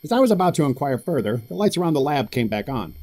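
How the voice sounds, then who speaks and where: Man acting animated corporate boss in echoey room. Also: mid-range voice, fast. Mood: measured, wry. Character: corporate facility boss and father, measured, suspicious, hesitant. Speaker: actor in an audio drama. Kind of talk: first-person narration and dramatic dialogue. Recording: roomy echo with music behind.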